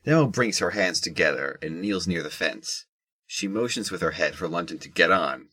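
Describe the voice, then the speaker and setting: A man narrates a scripted audio drama. His voice is low and rough-edged, with a forceful, present tone. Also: animated, moderate pace.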